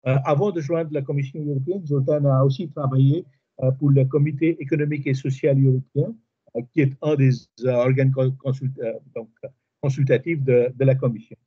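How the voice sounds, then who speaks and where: Halting French man on a muffled call. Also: mid-range voice, fairly even intonation, husky. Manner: halting, many fillers and restarts. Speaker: webinar moderator. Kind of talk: formal introduction of a speaker. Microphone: video call. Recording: muffled video call audio.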